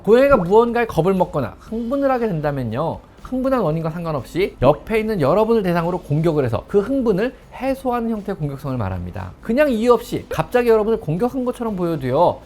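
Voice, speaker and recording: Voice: mid-range voice, a little mellow, slight background noise. A veterinarian hosting a pet-care talk, explaining in an emphatic way and stretching the ends of phrases.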